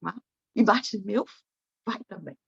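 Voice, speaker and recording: A woman gives a reflective sermon, pausing to check in with her listeners as she goes. Her voice carries a slight gravelly edge. The recording is dull and dry, with little room sound. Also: mid-range voice, animated, dry recording. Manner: reflective, tags phrases with "né?". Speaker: spiritist lecturer.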